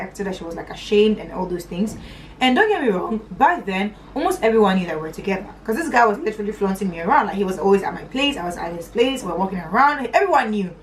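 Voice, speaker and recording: A woman's voice: distant mic, a little hiss or hum, low-quality recording. Chatty young woman telling a story. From Northern Nigeria. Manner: chatty and animated, pitch swinging high and dropping to low asides. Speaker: vlogger. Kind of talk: storytime vlog.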